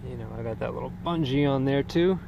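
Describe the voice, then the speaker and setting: Man, mid-pitched, easygoing show-and-tell with fillers, recorded outdoors on an action camera with clear background noise. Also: fast talker, dull audio. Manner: relaxed, rambling, frequent "uh" fillers. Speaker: kayak angler showing his gear. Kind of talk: casual show-and-tell narration. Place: outdoors on shallow water beside a kayak. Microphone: action camera mounted on the kayak. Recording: noisy outdoor camera audio with wind and water.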